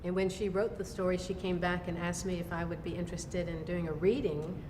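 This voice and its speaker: A woman's voice: fairly low pitch, level tone, brisk, big-room sound, noisy background. A woman with a Charleston, South Carolina accent, telling a story casually in an interview. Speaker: amateur performer in a dramatic reading.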